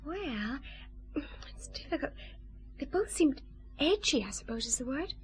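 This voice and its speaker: A woman's voice: high voice, big pitch swings, measured pace, slight background noise, poor audio. An actress playing a nervous, eager young switchboard operator in a radio drama, Scottish accent, hesitant speech. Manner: hesitant, flustered, many uh's.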